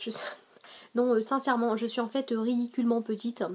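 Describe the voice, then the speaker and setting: Keeping a moderate pace, a woman talks at a high pitch. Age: 20s. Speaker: beauty vlogger. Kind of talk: casual vlog chat. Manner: chatty, hesitant with many fillers.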